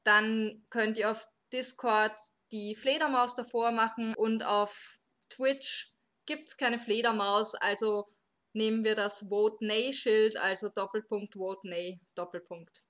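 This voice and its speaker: Bright-voiced podcast host in her twenties. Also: mid-range voice, steady tone, takes it slowly. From Austria. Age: 20s. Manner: explains things at length, with fillers. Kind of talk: live podcast moderation.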